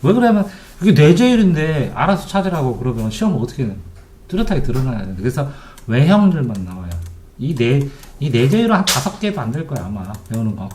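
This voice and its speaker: A man's voice: mid-range voice, sing-song, fast talker, darkish tone, a little hiss or hum. A middle-aged man tutoring Korean literature online, explaining terms and quizzing his students with repeated questions. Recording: echoey room, keyboard typing behind.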